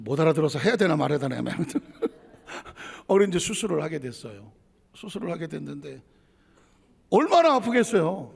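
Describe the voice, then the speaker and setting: A middle-aged man preaching a sermon as pastor, dramatic, acting out God's voice in shouts and dropping to hushed asides. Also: on the high side, very animated, normal speed, vocal fry, husky. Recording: long reverb of a church hall.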